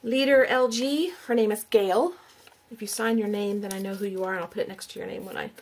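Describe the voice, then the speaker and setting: A woman's voice: medium pitch, brisk. A middle-aged woman, chatting casually on camera as she hosts a giveaway, sounding out names aloud and asking viewers questions. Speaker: YouTube crafter hosting a giveaway. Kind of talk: casual on-camera vlog chat.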